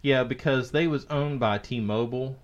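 A man's voice: mid-range voice, moderate pace, highs cut off. A man co-hosting a podcast, chatting casually about tech news in a sarcastic, joking way. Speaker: podcast co-host.

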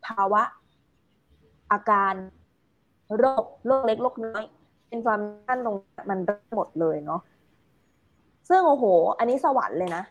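Relaxed Thai woman explaining casually. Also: fairly high pitch, slow pace, pauses often, rough recording. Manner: relaxed, explains with fillers and English terms.

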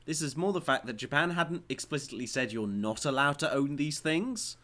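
A man's voice: on the high side, animated, moderate pace, bright, forceful tone. A man co-hosting a casual news chat, joking in a dry way with plenty of ums and uhs. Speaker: podcast co-host.

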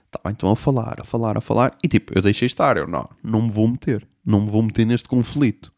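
A young man telling a comic story, animated, swearing and making sound effects. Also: lowish voice, fast talker, gravelly, no echo, clean studio sound. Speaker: podcast host.

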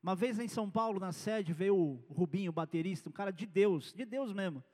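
A man's voice: high voice, brisk, darkish tone, big-room sound. A man preaching a sermon as pastor, in a conversational style with personal stories.

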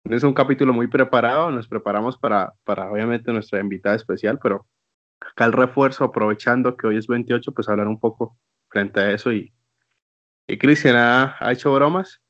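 A man's voice: medium pitch, a little fast, fairly bright tone, dry recording, dull audio. A man, hosting a podcast in a casual, joking way. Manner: joking, teasing. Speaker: podcast host. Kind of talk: casual chat.

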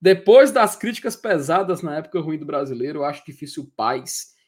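Lively high-voiced man joking. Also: brisk. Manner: joking, teasing banter. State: tired. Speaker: podcast co-host. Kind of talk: casual chat.

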